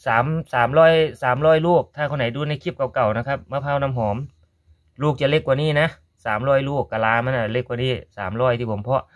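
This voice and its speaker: Talking fast in a mid-range voice, this gardening vlogger has a Korat Thai accent. In his relaxed how-to video he guides viewers through a task and addresses them as brothers and sisters.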